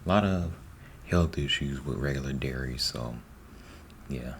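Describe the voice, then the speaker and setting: A man giving a soft-spoken ASMR ramble, breathy and often near a whisper, informal and repeating himself, close to the microphone. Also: extremely low pitch, a little slow. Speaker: ASMR host. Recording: faint background noise.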